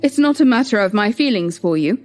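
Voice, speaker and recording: A woman's voice: fairly high pitch, brisk, soft background music, close to an everyday voice. A woman playing a proud young queen who speaks firmly and steadily, holding back her anger. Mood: cold firm. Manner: firm, steady, controlled. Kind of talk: audio drama acting.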